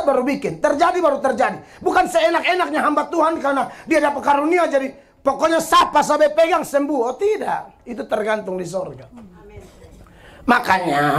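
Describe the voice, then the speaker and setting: Female pastor, 40s, high gravelly voice, emphatic preacher. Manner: animated, emphatic, often shouting and laughing. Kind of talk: sermon.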